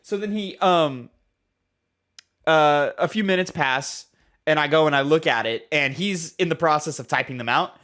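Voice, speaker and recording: A man co-hosting a casual gaming podcast, telling stories in an animated way and laughing often. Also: a little high, normal speed. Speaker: podcast co-host running the minigame. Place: podcast recording, indoors.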